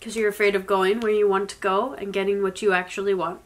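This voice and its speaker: Young woman in her twenties, tarot reader, sniffly from a cold, slow and reflective delivery. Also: medium pitch, little pitch movement. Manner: soft, slow and reflective, with occasional small laughs. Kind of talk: spoken tarot reading. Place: indoors, in front of a floral blanket.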